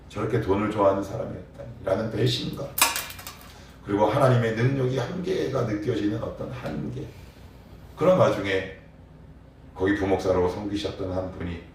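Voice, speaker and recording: Speaking in a fairly low, darkish voice, a middle-aged pastor gives a morning prayer sermon and chats with his congregation through questions. The recording catches him from afar in an echoey sanctuary, with a faint hum in the background.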